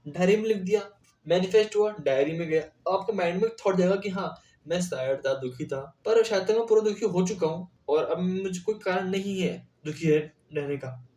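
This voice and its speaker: A man's voice: high-pitched, moderate pace, mellow, far from the mic. Earnest man, echoey off-mic voice. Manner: earnest, direct, mixing English phrases. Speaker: self-help speaker. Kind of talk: motivational talk.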